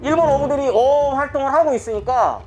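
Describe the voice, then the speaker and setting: A woman's voice: sits high, fast, a little mellow, muffled recording. A woman teaching history to a class of children, telling the story and quizzing the pupils as she goes. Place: school classroom.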